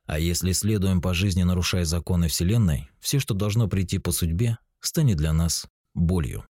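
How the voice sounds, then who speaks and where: Deep-voiced man calmly teaching. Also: normal speed, slightly rough, no echo, clean studio sound. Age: 40s. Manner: calm, explanatory, addresses the listener directly. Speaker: narrator of a self-help book. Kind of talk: spiritual teaching narration.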